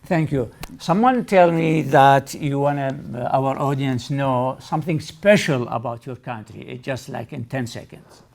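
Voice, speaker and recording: A man hosting and moderating a group discussion, prompting people briskly and acknowledging them in short phrases. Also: medium pitch, vocal fry, a little mellow. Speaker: host.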